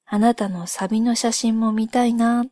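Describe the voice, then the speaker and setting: A woman with a slightly high voice talks very slowly in a soft, ASMR-like monologue. She is gentle, polite and measured as she explains things. The sound is dry, with hardly any room to it. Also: steady tone, no room sound. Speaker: host of a solo spoken channel.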